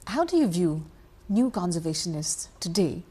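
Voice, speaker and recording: Low, mellow-voiced woman TV host. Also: big pitch swings, moderate pace, breathy edge. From Nepal. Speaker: TV interviewer host. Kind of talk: broadcast interview.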